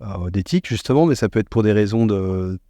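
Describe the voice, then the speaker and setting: Guy with a lowish voice being interviewed on a podcast, explains stuff measured, thinking out loud, dry sound. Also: no echo. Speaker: podcast guest, retail technology expert. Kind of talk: conversational expert interview.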